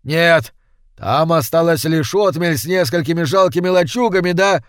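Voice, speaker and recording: A man's voice: a little high, normal speed, dry recording, close to an everyday voice. A bewildered young soldier, as a male reader puts him on, pleads and cries out in a raised, strained voice. The sound is close and dry, with no room around it. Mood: frightened. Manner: agitated, pleading, confused. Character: frightened lost modern male soldier.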